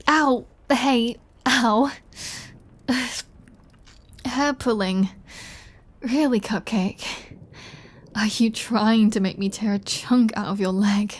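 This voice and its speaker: A woman's voice: fairly high pitch, fairly even intonation. Casting: a woman to play a seductive, possessive vampire lady for ASMR audio drama; leisurely delivery, teasing menace. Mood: mock-annoyed, teasing. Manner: slow, teasing, playfully threatening.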